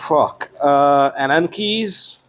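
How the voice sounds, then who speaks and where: Slow-paced, jokey male vlogger. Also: on the high side, a little hiss or hum. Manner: jokey, sweary, playful asides. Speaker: vlogger unboxing a product. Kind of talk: casual unscripted chat.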